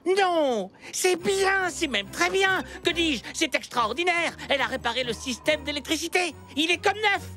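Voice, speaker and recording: A woman voicing an excitable, bossy female townsperson in a dramatic, emphatic way for a French cartoon dub. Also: extremely high pitch, measured pace, hardly any pauses, heavily acted. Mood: thrilled. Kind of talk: French animated series dub.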